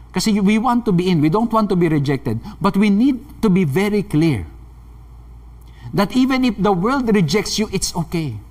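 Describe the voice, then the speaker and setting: A man's voice: high-pitched, darkish tone. A man with a Filipino accent preaching a sermon, earnest and exhorting, repeating his points. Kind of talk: sermon mixing Tagalog and English.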